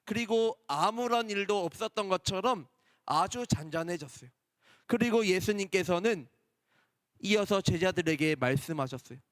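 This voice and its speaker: A man preaching a children's Sunday sermon in a church. He speaks gently, repeats key points and asks the children questions. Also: high voice, lively intonation, moderate pace, no echo, clean studio sound, in a large hall. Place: church worship hall.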